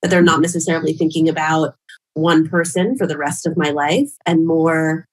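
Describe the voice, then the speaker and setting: Husky, low-voiced woman in her thirties. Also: normal speed, poor audio. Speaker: psychologist guest, relationship podcaster. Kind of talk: conversational interview answers. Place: home room, indoors. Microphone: video call, wearing headphones.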